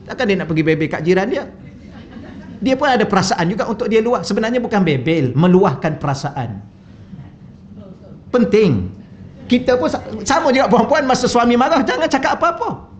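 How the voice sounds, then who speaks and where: A religious teacher with a Malaysian Malay accent gives a mosque lecture in a fairly high voice, talking in a chatty way and telling anecdotes. The sound from his wireless mic in the mosque hall is a little dull and lo-fi, with a faint hiss under it. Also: lively intonation, fairly quick, pauses often. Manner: chatty, anecdotal, humorous storytelling. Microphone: wireless microphone.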